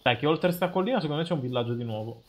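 A man's voice: fairly high pitch, animated, very fast. A man talking casually and insistently as a co-player on a game livestream, often repeating himself. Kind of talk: casual gameplay banter.

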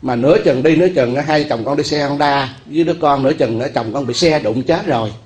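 A man with a Southern Vietnamese accent voicing a distraught young mother who pleads with a monk for money, in a halting, tearful way. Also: mid-range voice, darkish tone, natural voice. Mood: pleading.

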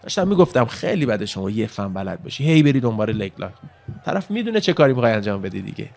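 A man with a low, gravelly voice calls a recorded fight blow by blow. He talks casually as the host of his own channel, explaining techniques and stopping for friendly side remarks. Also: very animated, darkish tone. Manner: chatty, explains moves and digresses with asides. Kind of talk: casual Persian play-by-play commentary over fight footage.

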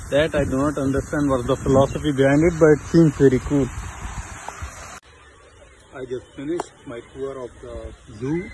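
Young man, South Asian accent, Hindi-Urdu native, mid-range pitch, chatty casual vlogger, clearly noisy outdoor phone recording. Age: young adult. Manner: chatty, talks to the animals. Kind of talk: casual zoo vlog chat. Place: outdoor zoo.

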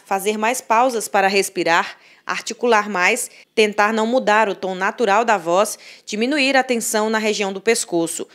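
A woman reporter reading a scripted news story in a measured, formal way. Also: mid-range voice.

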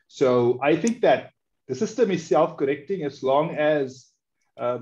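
A man talks through his views in a relaxed group call, pausing on fillers as he thinks. His voice is dark and mellow, and the call audio sounds dull and lo-fi. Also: mid-range voice. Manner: measured, thinks aloud with many fillers. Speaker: meetup participant. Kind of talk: casual group discussion.

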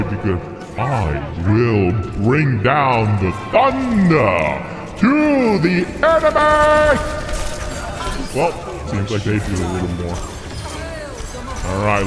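A man commentating on a shooter game through an echoing voice changer. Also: medium pitch. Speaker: gamer. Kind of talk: gameplay commentary. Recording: long echoing reverb, game music behind.

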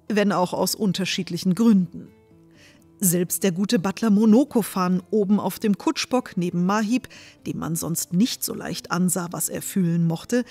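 A woman narrates a scripted fairy-tale audio drama. Her voice sits at an average pitch for a woman, and music plays behind her as she tells the story. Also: a little mellow, slightly rough. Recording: music under the voice.

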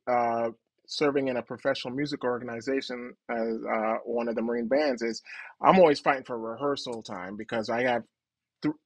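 A man who leads a military band talks on a webcam call from an office, his pitch in the middle of the range. The sound is dry and close, and he lays out his methods in a practical, matter-of-fact way. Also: no room sound. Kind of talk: video call panel discussion. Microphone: video call webcam.

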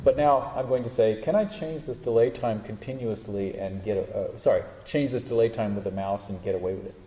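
A man's voice: fairly low pitch, brisk, a crowd in the background. A man giving an informal university lecture with live demonstrations, correcting himself as he goes and joking dryly. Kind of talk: classroom lecture with live demos. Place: lecture hall. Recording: roomy lecture hall echo, faint hiss.

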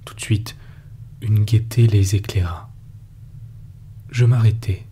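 A man narrating an audiobook story in a measured, steady storytelling manner. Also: lowish voice, a little hiss or hum. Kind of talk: scripted narration.

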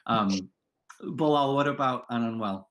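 A man's voice: medium pitch, measured pace, fairly bright tone, rough recording. A man moderating a conversational panel discussion over a video call. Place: indoor room, video call.

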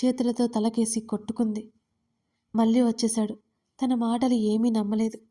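A woman storyteller narrating an audio love story in a steady, expressive reading. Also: a little high, moderate pace.

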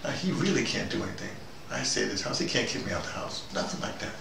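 Guy doing an opinionated brainy dude rambling on, kinda creaky voice, far from the mic w loud noise behind. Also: fairly low pitch, fast, heavily acted. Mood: chatty, fond. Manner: digressive, animated, argumentative, punctuated with "you know". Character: theBrother, easygoing, opinionated intellectual man rambling on brotherhood. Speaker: vlogger in character. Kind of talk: casual rambling monologue. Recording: distant mic, echoey room, loud background noise.

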